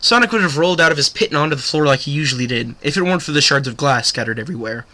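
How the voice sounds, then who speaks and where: Bright-voiced man with a cold reading aloud. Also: on the high side, lively intonation, rapid-fire. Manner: casual, stumbles over words. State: sick with a cold. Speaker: fanfiction reader.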